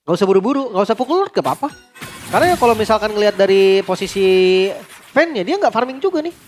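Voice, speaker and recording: A man co-commentating a live esports match, mixing casual analysis with excited calls. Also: sits high, fast. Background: game music.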